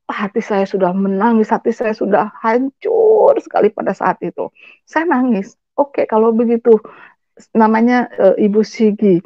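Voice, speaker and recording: A woman's voice: on the high side, lively intonation, normal speed, mellow, no room sound. Woman giving an emotional testimony. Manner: addresses the audience directly, sprinkles in English words. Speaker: testimony speaker. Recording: dull, dry lo-fi recording.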